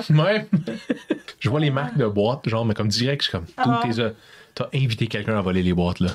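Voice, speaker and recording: A man speaks at a medium pitch and a fairly quick pace, his loudness very even and his pitch varying in an ordinary way, with long, frequent pauses. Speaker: radio podcast host. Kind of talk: casual podcast conversation.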